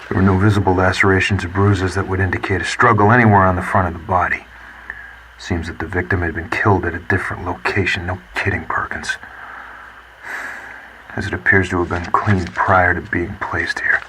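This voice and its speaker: An actor playing a grim 1950s man reading a report aloud deliberately, as heard on an old tape. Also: low voice, level tone, lightly acted. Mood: disgusted. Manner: deliberate, muttering disgusted asides. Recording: noisy old wire-tape recording.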